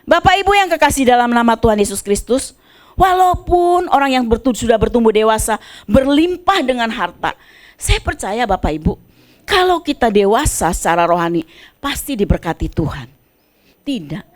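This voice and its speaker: A woman preaching a sermon with animated delivery, moving from soft asides to loud exclamations. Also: on the high side, moderate pace. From Indonesia.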